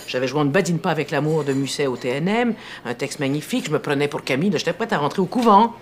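A woman's voice: deep voice, fast talker, a little hiss or hum. A middle-aged woman with a Québécois French accent, chatting over lunch and telling a story about her life with lots of laughter. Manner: animated storyteller, laughs often. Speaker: guest actress. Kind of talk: casual chat over lunch.

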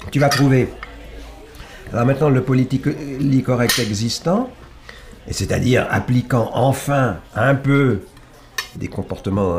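Author guest, man, standard French accent, mid-range voice, halting and reflective. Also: medium pitch, creaky. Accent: standard Île-de-France French. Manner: thoughtful and halting, with wide swings in loudness and emphasis. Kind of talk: reflective conversation.

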